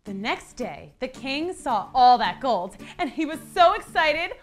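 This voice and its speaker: Animated, high-voiced woman telling fairytales. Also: a little slow. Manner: playful, comic, theatrical, giggly asides. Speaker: children's story host. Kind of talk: animated first-person fairytale narration. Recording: music behind the voice.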